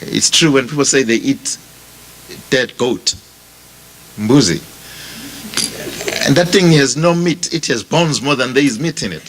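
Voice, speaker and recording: A male pastor with a Zimbabwean accent delivers a sermon at a very unhurried pace. He repeats phrases for emphasis and speaks straight to his listeners. There is a light layer of ambient noise behind his mid-pitched voice. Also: lively intonation. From Bulawayo, Zimbabwe. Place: funeral service before a congregation.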